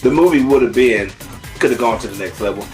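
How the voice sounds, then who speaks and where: Mid-pitched male voice, casual review co-host, expressive, conversational, faint music underneath. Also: fast. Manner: expressive, acts out quotes, often seeks agreement. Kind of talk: casual movie review chat.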